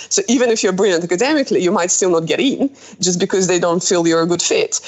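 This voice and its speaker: Noticeable background noise runs under this recording. A woman with a Russian accent talks at a medium pitch with ordinary pitch variation. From Russia, Moscow. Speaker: historian. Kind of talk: interview. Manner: halting, many repetitions.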